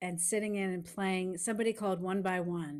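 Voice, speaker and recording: A woman with an unremarkable speaking voice speaks at medium pitch and a moderate pace, her intonation fairly even. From Maryland, near Washington DC. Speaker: jazz drummer. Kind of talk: casual panel conversation. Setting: video call.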